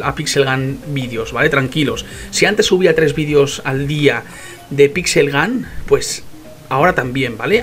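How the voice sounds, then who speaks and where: A young man with a Spain Spanish accent giving excitable, casual commentary while playing a game, swearing often and talking straight to his viewers. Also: on the high side. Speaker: gaming youtuber.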